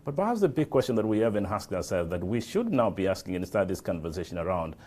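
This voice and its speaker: A middle-aged African man hosts a live interview show, speaking effusively and often repeating and restarting phrases. His low, darkish voice swings widely in pitch at a quick pace.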